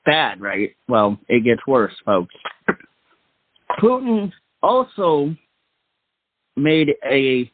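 Slow-talking man hosting talk radio. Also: on the high side, slightly rough, dry recording, phone-quality sound. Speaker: talk show host. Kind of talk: casual radio talk show commentary.

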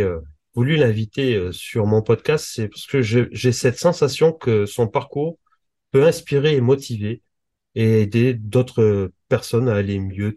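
A man hosting a podcast interview, friendly but halting, with many fillers. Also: medium pitch, dark tone, no room sound, studio quality. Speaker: podcast host.

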